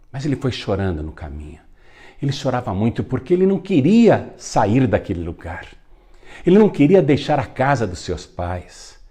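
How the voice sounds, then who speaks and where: A pastor narrating a story during a sermon, in a dramatic, emphatic manner. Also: male voice, on the low side, dark tone.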